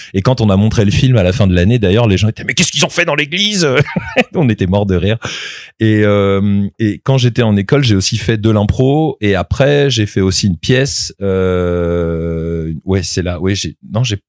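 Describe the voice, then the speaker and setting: Low-voiced man, hesitant chat. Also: warm tone, no room sound, studio quality. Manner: hesitant, many fillers and restarts. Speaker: voice actor guest. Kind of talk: casual interview chat.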